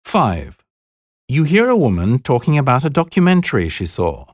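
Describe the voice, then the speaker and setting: A man's voice: medium pitch, huge pitch swings, normal speed, no echo. A man narrating scripted instructions for a listening exercise.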